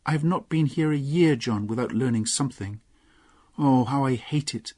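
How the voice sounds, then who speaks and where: A man's voice: medium pitch, normal speed, a little mellow, no room sound, studio quality, voice pushed up, close to an everyday voice. A man reading aloud and voicing an earnest, emotional young noble lady in a storybook. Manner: pleading, emotional.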